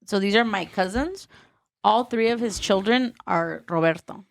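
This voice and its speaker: A woman's voice: mid-range voice, moderate pace, gravelly. Chatty laughing woman co-host. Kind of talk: casual chat.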